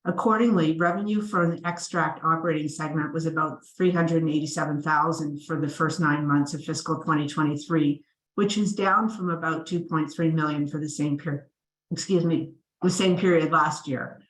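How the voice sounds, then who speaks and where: A woman finance executive giving a prepared, formal, measured presentation on an earnings call. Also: low-pitched, steady tone. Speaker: chief financial officer presenting results. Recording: roomy, echoing sound.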